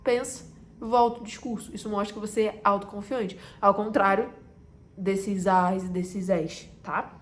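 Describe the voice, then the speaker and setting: A woman with a Carioca accent from Rio de Janeiro gives a direct-to-camera lesson as a communication coach, speaking emphatically and dropping to a soft voice to make a point. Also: a little high. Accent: Carioca Brazilian Portuguese. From Rio de Janeiro, Brazil. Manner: emphatic, drops to a soft voice to make a point, then rises again. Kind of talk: direct-to-camera teaching talk.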